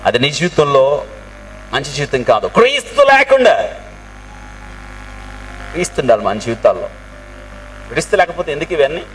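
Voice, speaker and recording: A man's voice: mid-range voice, lively intonation, fast, pauses often, a bit bright. A male pastor giving an impassioned sermon, mixing in English phrases. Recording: distant mic with faint mains hum.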